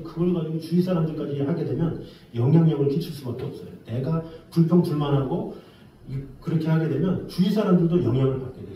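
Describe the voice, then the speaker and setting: Animated male preacher in an echoey church. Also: a little high. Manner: animated storytelling with exclamations. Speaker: pastor. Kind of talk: sermon. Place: church sanctuary. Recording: very echoey, distant from the mic.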